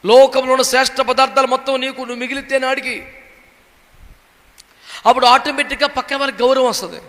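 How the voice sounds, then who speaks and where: A man's voice: very high-pitched, fairly even intonation, fast talker, fairly bright tone. A man preaching a sermon as a pastor, dramatically acting out the voices he quotes. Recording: long hall reverb.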